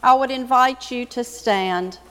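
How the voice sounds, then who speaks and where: A woman with a high voice leads worship. She delivers the liturgy formally and ceremonially to a congregation. Her words ring with the long echo of a large church. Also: unhurried, fairly bright tone, slight background noise. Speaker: worship leader. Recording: echoey church hall, long reverb.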